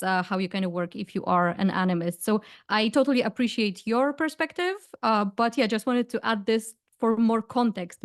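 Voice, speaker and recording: A woman hosting a panel discussion who speaks in a measured way, pausing on "uh" and "um" as she explains folk witchcraft on a video call. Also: medium pitch, no echo, clean studio sound.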